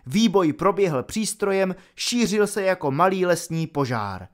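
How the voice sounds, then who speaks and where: A man reading an audiobook aloud in a measured, dramatic narrating style. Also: high voice, expressive.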